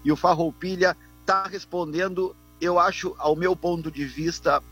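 A man talks through a speakerphone into a radio show. His voice is husky and sits a little high. He speaks earnestly and circles back to the same points. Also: steady tone, normal speed, bright, forceful tone, faint music behind. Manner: earnest, repetitive, keeps addressing the host. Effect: on speakerphone over a phone line. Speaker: football club vice-president calling in. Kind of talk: phone-in radio interview.

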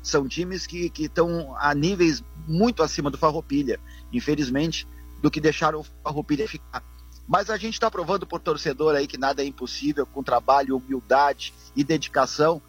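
A man's voice: fairly high pitch, fairly quick, husky, faint music behind. A man, calling in to a radio interview on speakerphone. He speaks earnestly and repeats himself, often turning back to the host. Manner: earnest, repetitive, keeps addressing the host. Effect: on speakerphone over a phone line. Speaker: football club vice-president calling in.

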